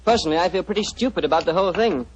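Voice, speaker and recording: A man playing a brisk young doctor in a 1940s radio drama, quick and a little indignant. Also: high-pitched, natural voice. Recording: old radio with faint hiss.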